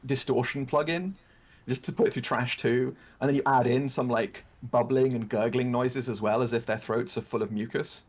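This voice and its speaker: A man chatting with a streamer friend over voice chat, riffing in a rambling, animated way full of "like". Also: medium pitch, moderate pace. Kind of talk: casual gaming chat.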